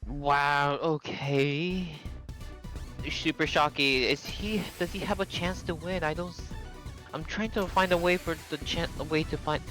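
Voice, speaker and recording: A man's voice: fairly high pitch, steady tone, measured pace, fairly bright tone. A man giving casual, reactive color commentary on a competitive video game match. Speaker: esports co-commentator. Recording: music playing clearly behind.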